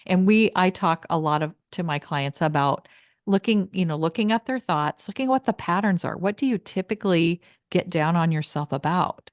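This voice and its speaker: A woman's voice: deep voice, no room sound, clean studio sound. A middle-aged woman hosting an interview, chatty and rambling, often laughing as she talks. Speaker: podcast host and coach. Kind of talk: casual interview chat.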